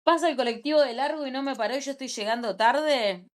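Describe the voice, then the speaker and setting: A woman's voice: sits high, fast talker. Argentine woman teaching a chatty class. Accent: Argentine Spanish. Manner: conversational, checks in with frequent rhetorical questions. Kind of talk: informal class lecture.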